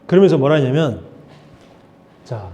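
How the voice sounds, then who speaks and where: A man preaching a Sunday sermon in church, conversational and animated, asking the congregation questions. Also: mid-range voice, moderate pace. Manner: animated, acts out quoted voices of God and Moses. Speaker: pastor. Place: church sanctuary.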